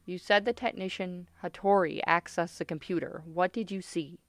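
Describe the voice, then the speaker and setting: A woman's voice: on the low side, steady tone, normal speed, fairly bright tone, dry recording. A woman performing a cold military doctor in a radio drama, recorded very dry. She is clipped, commanding and insistent, pressing her subject without sympathy. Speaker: doctor leading an interrogation. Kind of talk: radio play acting.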